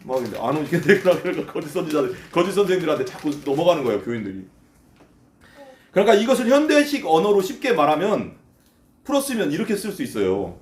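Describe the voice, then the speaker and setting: Male pastor, sermon, high lively voice, echoey church sanctuary. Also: fast, a little hiss or hum. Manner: conversational preaching with rhetorical questions and acted quotes.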